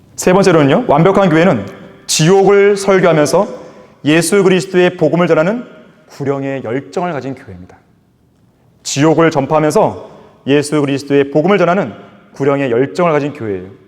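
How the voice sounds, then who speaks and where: A man at a fairly quick pace and fairly high pitch, with lively intonation, long, frequent pauses and audible room echo. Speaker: pastor. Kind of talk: sermon.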